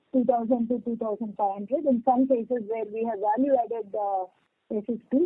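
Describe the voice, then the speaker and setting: A woman with an Indian accent speaking as a company executive, explaining business matters in a measured, methodical way on an earnings call. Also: fairly high pitch, no echo. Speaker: company executive answering analysts. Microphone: conference call phone line. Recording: tinny phone line, dry.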